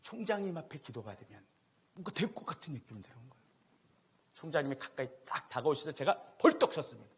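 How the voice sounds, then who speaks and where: A middle-aged man preaching in a church, a pastor telling his own story to the congregation. His voice is loud and fairly high, with a husky edge, and it climbs and drops constantly as he moves from near-shouts to hushed confessions. He tells the story with self-mocking humor. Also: quick pace. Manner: animated, swings from loud to hushed, laughing at himself. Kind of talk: sermon with personal storytelling. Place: church sanctuary.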